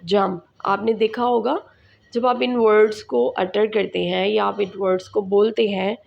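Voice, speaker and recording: Slow, gravelly woman teacher. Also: mid-range voice, fairly even intonation, highs cut off. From Pakistan. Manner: slow, deliberate, repeats words for students. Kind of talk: classroom lesson explaining English in Urdu.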